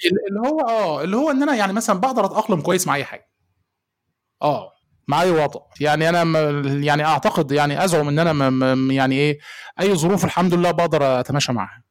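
Young egyptian man, egyptian arabic accent, podcast guest, very quick talk, slightly high voice, easygoing and reflective, dry recording. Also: no echo. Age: young adult. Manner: easygoing, searching for words as he reflects. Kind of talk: casual podcast conversation.

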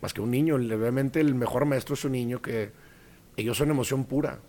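A man with a Mexican accent, a guest actor in a casual interview, telling animated stories and acting out quoted voices. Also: mid-range voice, a little fast.

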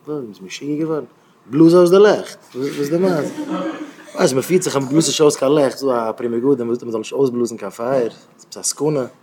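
A man's voice: medium pitch, fairly even intonation, fast, a little mellow, slight background noise. A man, a rabbi, giving a Hasidic Torah talk, emphatic and repeating phrases in rising bursts.

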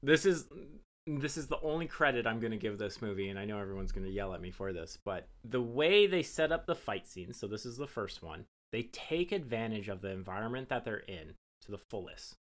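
A man's voice: lowish voice, big pitch swings, fairly quick, fairly bright tone. Laughing man recapping a movie. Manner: laughs often, chatty recapping. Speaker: podcast co-host. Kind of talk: casual movie review chat.

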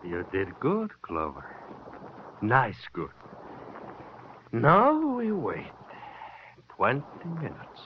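A gloating gangster in broken English. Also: male voice, medium pitch, huge pitch swings, extremely slow, long pauses, heavy background noise, exaggerated voice. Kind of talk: 1950s radio drama acting. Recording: dull lo-fi old radio recording.

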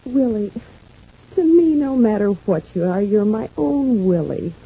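A woman's voice: mid-range voice, expressive, a little slow, husky. A woman acting a fretful, devoted working-class housewife in an old-time radio serial, with a folksy, emphatic delivery. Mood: placating. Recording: thin, phone-like old radio recording.

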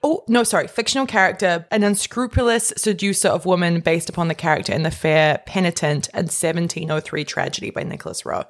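A young adult woman co-hosting a podcast in casual, playful chat, wry and quick to laugh. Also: fairly low pitch, lively intonation. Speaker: podcast co-host.

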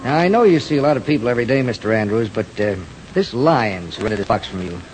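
An actor playing a calm, methodical police lieutenant in a 1940s radio drama, firm and businesslike. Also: male voice, mid-range voice, quick pace, loud music behind the voice, close to an everyday voice, low-quality recording.

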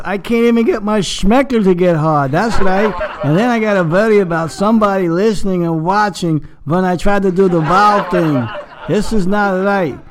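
A man playing a fretful old Jewish man who rambles and preaches in a complaining way. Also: high voice. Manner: kvetching, rambling, sermon-like. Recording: noisy, with crowd chatter behind.

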